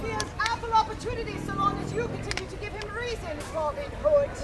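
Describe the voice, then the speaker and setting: A woman's voice: very high voice, quick pace, very noisy. A woman playing a stern, regal older queen in a theatrical faire show, speaking in stately, formal declamation. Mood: wry. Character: Queen Eleanor, regal, stern, scheming-wary older mother. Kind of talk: theatrical Renaissance faire stage acting. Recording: outdoor crowd and street ambience.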